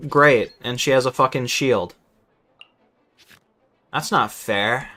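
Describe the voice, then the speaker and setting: A man's voice: medium pitch, slow, sharp tone. A man streaming a game with casual, exasperated, sweary running commentary, often stammering over repeated words. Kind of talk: casual live gameplay commentary. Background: game music.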